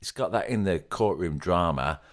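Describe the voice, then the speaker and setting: Deep-voiced man, jokey co-host. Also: expressive, normal speed. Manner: jokey, reads out listener comments with playful emphasis. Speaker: podcast co-host. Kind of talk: casual chat.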